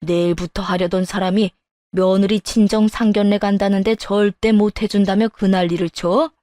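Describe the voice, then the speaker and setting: A woman's voice: medium pitch, steady tone, moderate pace, warm tone, no room sound, clean studio sound, natural voice. A woman voicing a stern, furious older father-in-law. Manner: scolding, indignant. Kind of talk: scripted story narration.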